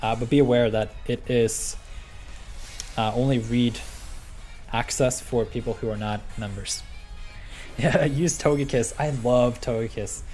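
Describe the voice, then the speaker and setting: A man's voice: mid-range voice, fairly even intonation, unhurried, pauses often, a little mellow. A man from Norway with a Norwegian accent, hosting a live game stream and chatting easily with viewers between plays. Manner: easygoing, chatty, with frequent ums and laughs. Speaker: livestream host. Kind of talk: live game commentary and chat reading. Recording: faint music behind the voice.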